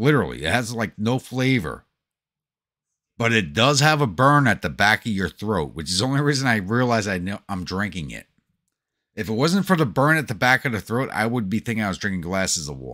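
A man with a New York accent speaks at a fairly quick pace, with very wide pitch swings and vocal fry. His tone is bright and sharp, on a very clean recording with a silent background. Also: medium pitch for a man. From New York City. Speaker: gaming streamer. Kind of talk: casual livestream chat.

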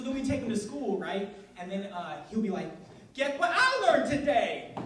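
Very wide pitch swings come through with light background noise and audible room echo. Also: man. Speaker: stand-up comedian. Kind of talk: stand-up comedy set at open mic. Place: stage.

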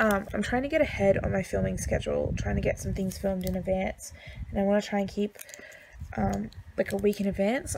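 Over noticeable background noise, a woman speaks fairly quickly. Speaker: planner vlogger. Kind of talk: casual vlog chat. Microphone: camera far.

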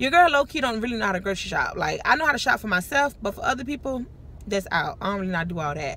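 A woman's high-pitched voice at a very fast pace, with very wide pitch swings and a dry sound with no echo. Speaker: vlogger. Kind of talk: casual vlog chat. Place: car. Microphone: phone near.

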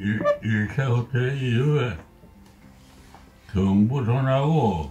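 Music plays in the background as the speaker goes at a very slow pace. The pitch variation is ordinary. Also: man, medium pitch for a man. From North Korea. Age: 80s+. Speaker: Korean War witness, former railway station worker. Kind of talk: oral history interview answer. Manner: halting, hesitant. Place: home room. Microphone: phone near.

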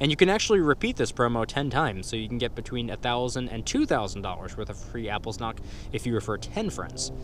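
The voice moves at a fairly quick pace over light background noise, the sound dry with no echo. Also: man. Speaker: personal finance vlogger. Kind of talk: casual vlog chat with sponsor reads. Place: open country. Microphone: phone near.

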